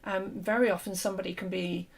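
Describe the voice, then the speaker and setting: Woman host, kinda gravelly and hoarse, explains stuff earnestly, lots of ums. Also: medium pitch, little pitch movement, fast talker. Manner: earnest, explanatory, with frequent fillers and restarts. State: losing her voice. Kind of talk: conversational discussion.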